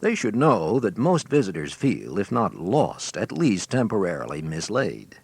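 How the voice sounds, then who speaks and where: A man's voice: lowish voice, wildly swooping pitch, measured pace, creaky, slightly rough, dry recording. A man narrating a scripted training filmstrip in a wry, theatrical storytelling manner, recorded on an old 1980s cassette. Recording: noisy 1980s cassette with clicks.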